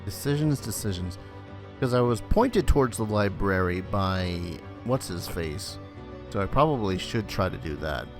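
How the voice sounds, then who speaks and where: A man's voice: fairly low pitch, animated, unhurried, music in the background. A man giving casual let's play commentary, musing aloud in a dry, mildly irreverent way. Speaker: gaming video host.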